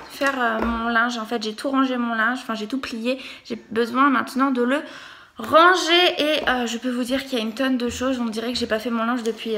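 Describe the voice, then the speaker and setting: Bright chatty young French-speaking woman. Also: a little high, slight background noise. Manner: chatty, hesitant with many fillers. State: pregnant. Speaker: vlogger and childminder. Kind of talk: casual family vlog.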